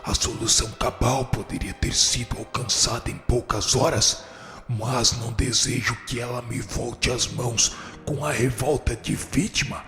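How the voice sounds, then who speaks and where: An actor playing a powerful, vengeful fallen spirit who sets himself up as judge, speaking solemnly and formally in a radio drama. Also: male voice, mid-range voice, fairly even intonation, unhurried, creaky, bright, forceful tone. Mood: cold, resolute. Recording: reverberant hall-like echo, music underneath.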